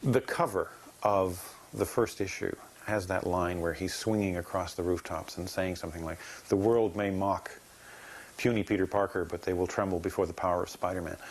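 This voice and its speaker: Animated man with a gravelly bass voice. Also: normal speed. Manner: animated, enthusiastic. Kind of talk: documentary interview commentary.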